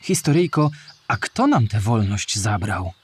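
A man's voice: fairly low pitch, sing-song, a little slow, slightly rough, full character voice. A man playing a curious, earnest young boy animal asking eager, polite questions in a children's audio play.

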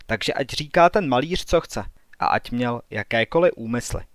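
A man's voice: mid-range voice, lively intonation, fairly bright tone, dry recording, close to an everyday voice. A man voicing a shrewd, composed woman who reasons in a matter-of-fact way in an audiobook. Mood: reasoning.

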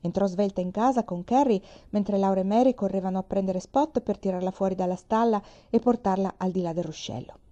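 A woman reads a children's novel aloud with calm, measured pacing. Her voice is mellow and warm, at a middle pitch. The recording sounds dull and lo-fi. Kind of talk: audiobook reading of a children's novel.

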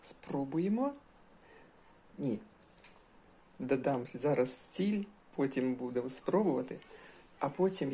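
A woman narrating a casual cooking vlog from her home kitchen, thinking aloud step by step at an unhurried pace. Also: very deep voice, mellow. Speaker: home cook, channel host. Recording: kitchen cooking noise behind voice. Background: sizzling frying pan.

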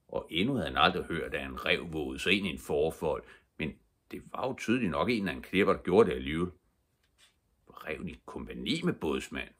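An older man reading a children's book aloud as a calm, measured bedtime story. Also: low voice. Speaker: audiobook reader.

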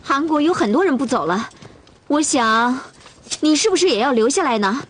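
A woman's voice: high voice, lively intonation, normal speed. An actress playing a headstrong young Russian woman from a costume drama, insistent and repeating her pleas over and over. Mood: pleading. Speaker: Russian woman in love with a herder. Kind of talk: television costume drama dialogue.

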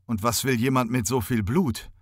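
A gruff police detective in an audiobook, blunt and intimidating, leaning on a suspect, as a male narrator puts him on. The voice sits a little above the narrator's own, close and dry. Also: medium pitch, moderate pace, dry recording, natural voice. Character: gruff male detective playing bad cop.

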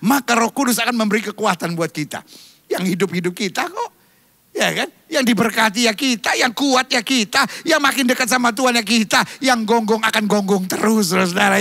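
A man preaching an animated sermon, his voice a little strained from coughing, switching from jokes to sudden shouts and soft asides. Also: sits high, gravelly, no echo. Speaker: pastor. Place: church stage.

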